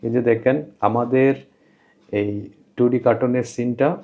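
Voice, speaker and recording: A man gives an informal screen tutorial in a medium-pitched voice. He explains each step plainly and often repeats himself, on a somewhat muffled, lo-fi recording. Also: steady tone, measured pace, noisy background. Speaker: tutorial presenter. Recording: dull, lo-fi voice-over.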